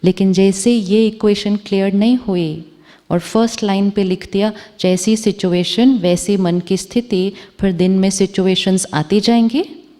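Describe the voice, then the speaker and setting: Slow, mellow-voiced woman giving a spiritual talk. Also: mid-range voice. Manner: measured, repeats rhetorical questions to the audience. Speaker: spiritual teacher. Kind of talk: spiritual talk to a live audience. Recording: long hall reverb.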